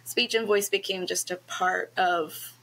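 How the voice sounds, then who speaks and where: Gravelly, bright young woman on a headset. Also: on the low side, unhurried, poor audio. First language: Cantonese. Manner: relaxed, frequent ums, laughs easily. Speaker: guest, speech language pathologist. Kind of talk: casual interview answers. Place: home room, indoors. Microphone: headset on a video call.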